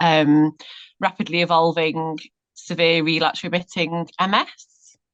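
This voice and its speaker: This woman has a Mancunian accent. She talks at a fairly slow pace in a monotone, flat intonation. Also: fairly low pitch for a woman. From Manchester, northern England. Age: 30s. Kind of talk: podcast interview.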